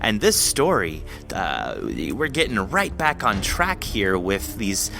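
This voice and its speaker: A male podcast host with a lowish, bright, forward voice. He interviews conversationally, in effusive, wordy phrases, with faint music behind him. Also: sing-song, slow, creaky.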